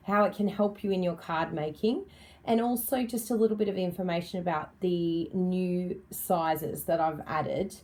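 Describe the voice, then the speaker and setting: An Australian woman in middle age with a touch of croakiness in her voice, talking in a chatty, upbeat way. She speaks at an ordinary pitch for a woman and moves easily between explaining and greeting her live viewers. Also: a little mellow. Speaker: card-making demonstrator. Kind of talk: live-stream tutorial chat.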